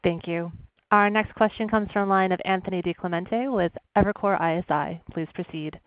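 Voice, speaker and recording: A woman's voice: on the low side, brisk, dry recording. A woman working as a conference call operator, making scripted announcements. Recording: thin tinny phone line.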